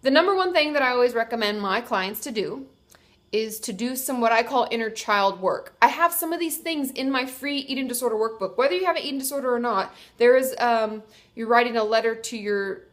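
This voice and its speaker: A woman's voice: on the high side, fairly quick. A young woman therapist with a congested, stuffy voice from a cold. She sounds a little tired as she talks through viewer questions and reads them out in a friendly, explaining way. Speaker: therapist and video host. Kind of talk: casual advice talk to camera.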